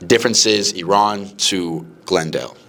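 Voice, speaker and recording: Low bright-voiced young man. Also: measured pace. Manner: animated, acts out quoted people in raised voices. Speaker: podcast host. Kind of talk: casual podcast chat.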